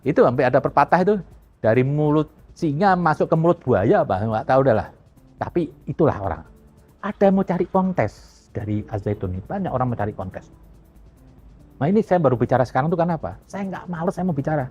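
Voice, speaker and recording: A man's voice: on the high side, animated, fast talker, a little mellow, slightly rough. A man giving a blunt, mocking opinion monologue on a religious controversy. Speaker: religious commentator. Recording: lo-fi with faint music.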